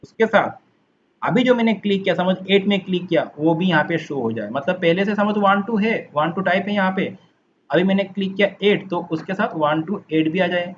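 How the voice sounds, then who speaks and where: Guy teaching javascript class, patient, repeats stuff, bit high voice, muffled recording w faint hiss. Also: normal speed. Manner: patient, repeats and rephrases while explaining. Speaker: programming teacher. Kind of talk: coding lesson walkthrough. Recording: dull lo-fi recording with faint noise.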